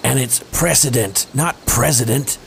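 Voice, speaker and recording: A man's voice: mid-range voice, unhurried, vocal fry, a little hiss or hum. A man playing a sardonic, foul-mouthed slacker hustler with a casual, slangy, wisecracking manner in an audio drama.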